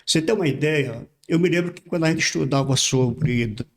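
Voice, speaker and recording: An older Brazilian man, a pastor appearing as a podcast guest, tells his life story in a casual interview. His voice is fairly high and a little fast, and he repeats words as he recalls things.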